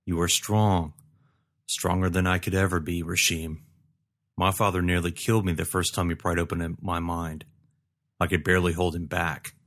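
A man's voice: deep voice, level tone, normal speed, fairly bright tone. A man voicing a stern older father who teaches his son in solemn, commanding words. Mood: earnest.

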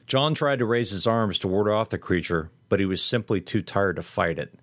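A man reading a horror story aloud in steady, measured scripted narration. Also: lowish voice, dry recording, studio quality.

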